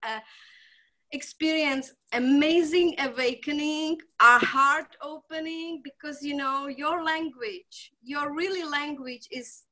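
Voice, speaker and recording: A middle-aged woman from the Czech Republic, a native Czech speaker, talking as a healer guest in halting English, effusive and laughing often. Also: sits high, bright, forceful tone, low-quality recording. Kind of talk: conversational interview.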